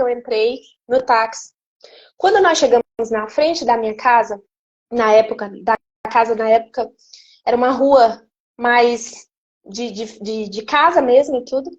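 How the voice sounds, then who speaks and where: A woman, a guest giving an emotional personal testimony in an animated storytelling way. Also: sits high, lo-fi sound. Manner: animated storytelling, acting out quoted speech. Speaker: interview guest.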